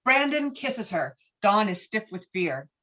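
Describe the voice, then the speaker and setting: A woman's voice: medium pitch, very animated, unhurried, sharp tone. Muffled woman reading stage directions. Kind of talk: scripted narration of screenplay directions.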